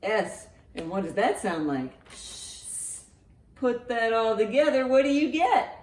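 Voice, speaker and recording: A library storytime host leads small children through songs, rhymes and picture books, animated and encouraging in a sing-song way. Her voice is on the high side and measured in pace, in a roomy, echoey indoor space.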